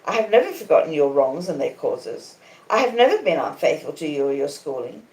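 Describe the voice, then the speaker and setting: Reading from a storybook, a woman gives voice to a proud, cool young lady who stays calmly defiant, laying out her reasoning in a measured, emphatic way. Her voice is low, and the recording has the echo of a conservatory.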